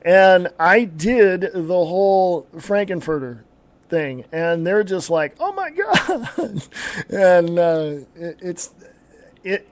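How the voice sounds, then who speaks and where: A man in his fifties hosting a live talk show, chatting casually with many fillers and frequent laughs. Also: high-pitched. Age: 50s. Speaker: podcast host. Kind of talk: casual chat.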